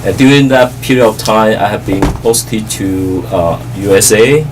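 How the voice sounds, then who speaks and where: A middle-aged man from Taiwan, an ambassador, answering interview questions politely and haltingly with many fillers. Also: on the low side, far from the mic, noisy background.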